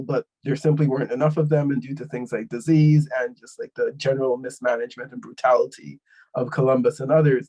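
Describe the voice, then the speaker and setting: A man's voice: mid-range voice, gravelly, darkish tone, poor audio. A young man from Guyana, speaking as a panelist in an online discussion and explaining his ideas thoughtfully with frequent fillers.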